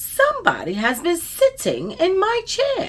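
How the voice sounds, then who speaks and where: A woman does a put-on character voice, raspy and extremely high-pitched, at a fairly slow pace. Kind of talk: bedtime story. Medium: read story.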